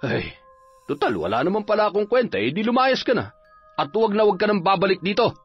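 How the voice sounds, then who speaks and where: An irritable village folk healer scolds at a rapid clip in a raised voice, as a male storyteller plays him. The recording is slightly dull, with faint music underneath. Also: high voice, sing-song, husky, voice pushed up, heavily acted. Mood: scolding. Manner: scolding, fast.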